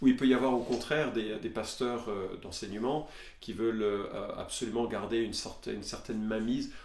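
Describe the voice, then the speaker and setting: This man talks at a fairly quick pace with fairly even intonation and a medium pitch, and some room echo is audible. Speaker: pastor. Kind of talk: podcast conversation.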